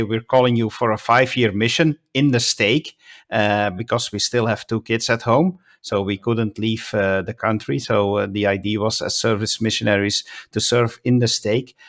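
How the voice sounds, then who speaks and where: A man in his fifties with a Flemish Dutch accent, a native Dutch speaker talking as a guest in a relaxed interview. He speaks in a measured way and often pauses with "uh" while he searches for words. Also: lowish voice. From Belgium (Flanders). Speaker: guest, bishop. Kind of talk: casual interview conversation.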